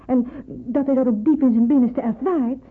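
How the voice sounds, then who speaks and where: A woman's voice: high-pitched, moderate pace. An actress playing an earnest young Jewish woman in hiding in a Dutch radio play, speaking with emphatic, pleading conviction. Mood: hurt. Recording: muffled narrowband old radio play.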